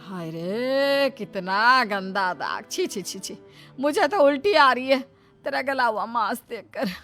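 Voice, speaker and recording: A woman's voice: high voice, animated, normal speed, a bit bright, faint music behind. A woman voicing a spiteful middle-aged mother-in-law who sneers and scolds. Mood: scornful. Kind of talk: dramatized story voice.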